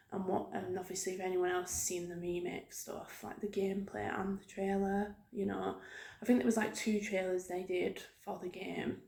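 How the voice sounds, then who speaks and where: A woman talks softly in a casual ASMR ramble, with an even, fairly flat pitch. She wanders from thought to thought in a hesitant, informal way, like a video host chatting to viewers. The room adds a clear echo around her voice. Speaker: YouTube host. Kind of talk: soft-spoken ASMR ramble. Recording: roomy, echoing room sound.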